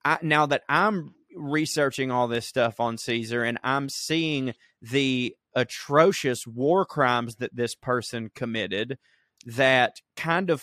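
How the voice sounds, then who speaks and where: A man's voice: medium pitch, a bit bright, no room sound, clean studio sound. A man co-hosting a podcast, chatting casually in a rambling, profane, joking way. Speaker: podcast co-host. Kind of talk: casual comedic chat. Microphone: remote recording.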